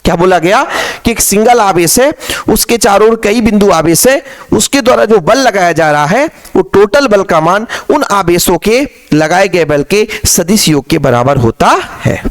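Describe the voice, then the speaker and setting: A man's voice: high voice, animated, unhurried. A man teaching physics to his pupils, repeating key phrases and asking questions that he then answers himself. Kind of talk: classroom lecture.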